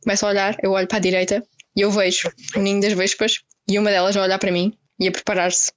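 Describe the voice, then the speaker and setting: Speaking fast in a mid-range voice, a young woman with a European Portuguese accent tells her friends a story casually. Her delivery is slangy and animated, with acted-out quotes, and the recording has no room sound.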